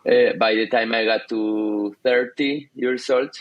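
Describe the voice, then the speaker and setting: A man in his thirties from Argentina, speaking English with an Argentine Spanish accent, telling his story as a guest in a casual interview, pausing often with fillers and restarts. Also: mid-range voice, fairly even intonation, dry recording, lo-fi sound. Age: 30s. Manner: hesitant, many fillers and restarts. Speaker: guest entrepreneur.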